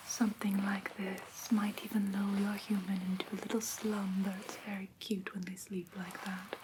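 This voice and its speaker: A woman playing a gentle vampire teacher in a whispered ASMR roleplay, patiently instructing in a soft, breathy, soothing way. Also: medium pitch, little pitch movement, normal speed, background noise, natural voice. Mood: gentle, instructive. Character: gentle female vampire teacher of human pet care.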